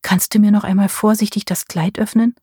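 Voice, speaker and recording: A woman voicing a tired nurse friend in an audiobook, soft and weary. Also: mid-range voice, level tone, brisk, breathy edge, no room sound, studio quality.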